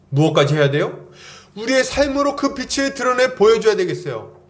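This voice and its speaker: A man preaching from the pulpit in a very high, lively voice that swings widely in pitch. He presses his listeners with rhetorical question after question and slips into casual speech to act out everyday exchanges. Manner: exhorting with many rhetorical questions to the congregation; acts out imagined conversations in casual speech. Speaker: pastor. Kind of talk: sermon. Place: church service.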